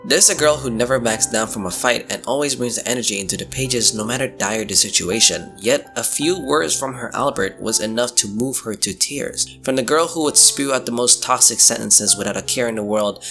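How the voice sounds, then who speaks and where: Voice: mid-range voice, gravelly, bright, forceful tone. A young adult giving a crude, slangy, mock-dramatic comedic recap as a scripted video narrator. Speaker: YouTube manga reviewer. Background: music.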